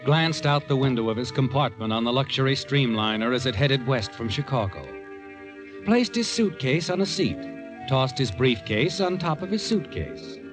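Man acting as knowing crime-tale narrator, male, lively intonation, measured and dramatic, 1940s radio style, music underneath. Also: mid-range voice, natural voice. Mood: knowing, suspenseful.

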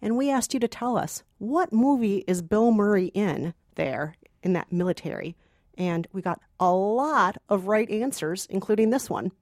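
A woman's voice: medium pitch, lively intonation, moderate pace, darkish tone, dry recording, studio quality, some chatter behind. A woman co-hosting a movie podcast in a casual, conversational, amused way. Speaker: podcast co-host.

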